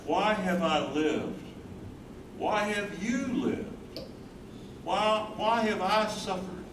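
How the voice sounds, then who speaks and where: A man's voice: high voice, slow. A man in a staged reading, playing a tender, devoted elderly husband of a wife with Alzheimer's. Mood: questioning, anguished. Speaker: stage reader. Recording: echoey room, far from mic, background noise.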